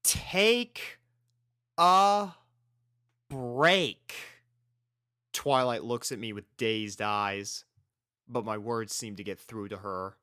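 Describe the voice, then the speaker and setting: A man's voice: lowish voice, steady tone, unhurried, fairly bright tone, smooth, dry recording, clean studio sound. A man reading a scripted first-person story as its narrator. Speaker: fan fiction reader and narrator.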